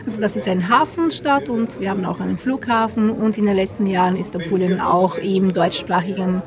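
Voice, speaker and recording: A woman's voice: medium pitch, a little fast. A woman from Italy with an Italian accent, speaking German as a podcast guest in a casual chat, hesitant with many fillers. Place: outdoor wine tavern with other guests around. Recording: clear crowd noise behind. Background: crowd chatter.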